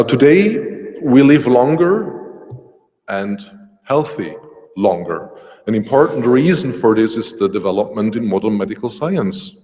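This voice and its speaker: A man with a Swiss German accent giving a prepared talk on a panel, in a measured, deliberate way. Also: on the low side, a little mellow. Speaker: panel speaker. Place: public lecture hall. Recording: reverberant lecture hall.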